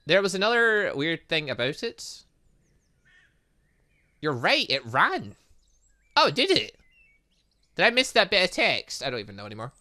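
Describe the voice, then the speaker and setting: A man's voice: a little high, wildly swooping pitch, normal speed, long pauses, sharp tone, no room sound, studio quality. A man reading game dialogue aloud in a let's play, adding his own commentary and often stumbling over words and correcting himself. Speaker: gaming YouTuber reading a visual novel aloud.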